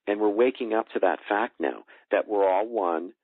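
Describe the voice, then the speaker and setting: A man with a low-pitched, husky voice explains things earnestly and haltingly, as a guest in an interview. He is heard over a tinny phone line. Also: no echo. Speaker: interview guest, energy healer. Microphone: telephone.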